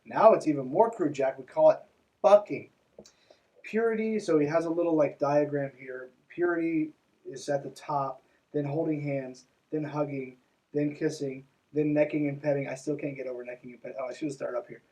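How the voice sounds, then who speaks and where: A man's voice: a little high, normal speed, warm tone, far from the mic, poor audio. A man hosting a podcast, reading aloud and breaking in with mocking, irreverent, conversational asides. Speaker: podcast host.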